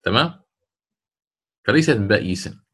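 Arabic recitation teacher explaining verses. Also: male voice, lowish voice, expressive, fairly bright tone, slightly rough. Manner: slows to chant quoted verses, then explains quickly; frequent self-corrections and fillers.

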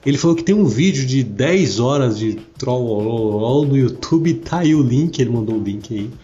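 Man, podcast host, has the flu, relaxed, joking, mid-pitched voice, slightly muffled mic. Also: normal speed, soft background music. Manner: relaxed, laughs between lines, reads listener comments. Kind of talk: casual podcast chat.

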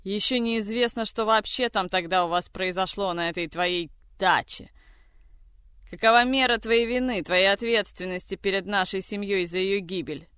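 Figure: furious man voiced by a reader. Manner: shouting, harsh, accusing. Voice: smooth and clear, louder and higher than the narration. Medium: audiobook. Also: moderate pace, dry recording, studio quality, close to an everyday voice. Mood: enraged. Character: furious man, a general's grandson, lashing out.

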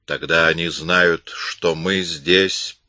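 A man's voice: low voice, steady tone, takes it slowly, bright, forceful tone, no echo, heavily acted. A man voicing a nervous, cautious man who speaks hesitantly. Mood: uneasy.

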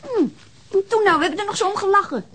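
An actress playing a chatty, inquisitive teenage daughter in a naturalistic radio drama. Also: female voice, very high voice, lively intonation, fast, a bit bright. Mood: curious, animated.

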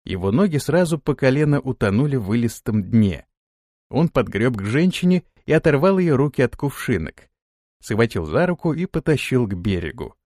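A man narrating an audiobook with expressive storytelling. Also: medium pitch, dry recording, studio quality. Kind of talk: scripted narration.

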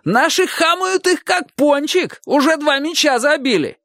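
A man voicing an excited grown neighbor who shouts eagerly from a rooftop and swears on his children. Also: very high-pitched, unhurried, dry recording, pitched above the performer's own voice, exaggerated voice. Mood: elated.

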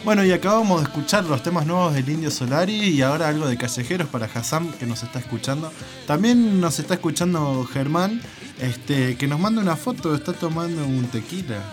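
A man's voice: on the high side, lively intonation, brisk, music in the background. A man with an Argentine Spanish accent hosting a community radio show, joking and cheeky. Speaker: radio host. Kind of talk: casual radio chat.

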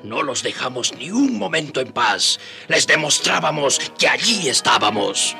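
A man's voice: medium pitch, sing-song, unhurried, vocal fry, over music. An actor playing a brave indigenous rebel leader who narrates his war in an earnest, dramatic radio-novel style. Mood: proud, defiant.

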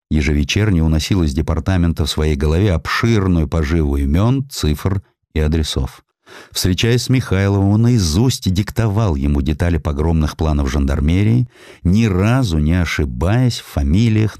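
Male audiobook narrator, low-pitched, highly varied intonation, dramatic historical storytelling, dry studio-like sound. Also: dry recording. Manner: expressive, theatrical storytelling.

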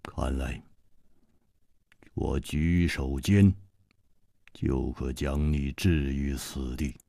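A man voicing a cold, menacing swordsman in a black robe, speaking slowly and quietly in a storytelling performance. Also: extremely low pitch, fairly even intonation, gravelly, dry recording, studio quality, voice pushed down, exaggerated voice. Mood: cold menace. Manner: icy, slow, threatening.

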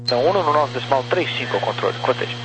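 A man with a Brazilian accent working as an air traffic controller, giving procedural, clipped clearances with digits spelled out over a crackly radio. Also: mid-range voice, lively intonation, rapid-fire, music in the background. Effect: crackly aviation radio. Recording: noisy crackly radio transmission with hum.

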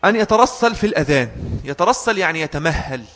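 Male religious teacher, slightly high voice, switching between formal and colloquial speech, recorded with long hall reverb. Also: lively intonation, fast talker, a bit bright, a little hiss or hum. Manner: mixes formal Arabic with colloquial asides, demonstrates chanted phrases. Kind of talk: classroom fiqh lesson.

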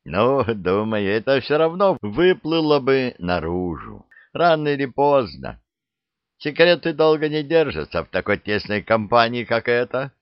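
A man's voice: medium pitch, very animated, measured pace, smooth, dry recording, highs cut off, voice pushed up. A man reading the part of an older veteran soldier with a dry, blunt, self-deprecating way of talking. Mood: wry. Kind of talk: audiobook character reading.

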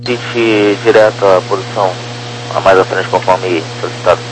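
A man's voice: low-pitched, fairly even intonation, moderate pace. A Brazilian man speaking in clipped aviation phraseology over a radio. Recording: noisy humming aviation radio transmission.

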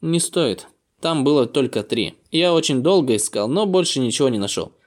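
A calm, stubborn young martial artist, as an audiobook narrator puts him on, set higher than the narrator's own voice. He gives firm, brief answers and stays evasive. The delivery is a storybook reading. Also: moderate pace, close to an everyday voice. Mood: insistent.

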